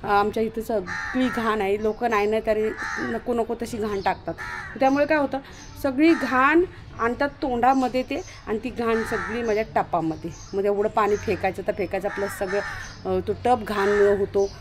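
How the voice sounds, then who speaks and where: A woman vlogging casually outdoors at home while doing chores, talking straight to her viewers and calling loudly to her dog. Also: on the high side, moderate pace, background noise. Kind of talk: casual home vlog narration. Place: outdoors at home, washing dishes in the morning.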